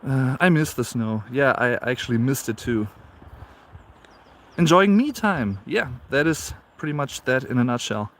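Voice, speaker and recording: A man's voice: medium pitch, expressive, measured pace, a bit bright. A man in his late twenties with a German accent, chatting casually in a live stream while out walking in the snow and reading viewer comments aloud. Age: 20s. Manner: chatty, reads viewer comments aloud, frequent fillers and repeats. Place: outdoors on a snowy walk.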